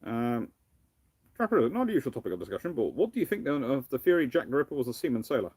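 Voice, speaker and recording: A man's voice: mid-range voice, big pitch swings, fast, a little mellow, breathy edge, no echo. A British man hosting a casual live question-and-answer stream, talking in a rambling, discursive way and restarting his phrases. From United Kingdom. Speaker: livestream host, history lecturer.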